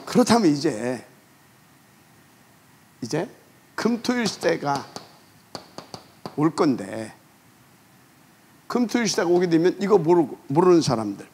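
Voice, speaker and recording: A man preaching a sermon as pastor, emphatic, asking rhetorical questions and letting phrase ends trail off quietly. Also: high-pitched, husky.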